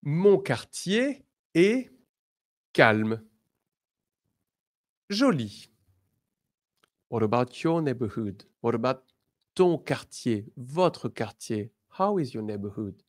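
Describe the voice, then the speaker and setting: A man teaching a beginners' lesson, drawing out model words slowly and breaking into lively emphatic bursts. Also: mid-range voice. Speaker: French teacher.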